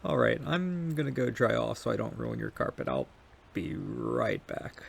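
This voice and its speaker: A man's voice: medium pitch, animated, moderate pace, vocal fry, a little hiss or hum. A man playing a shy, polite and kind young male neighbor in an intimate ASMR roleplay, speaking hesitantly and apologetically, with stammers. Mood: apologetic, polite.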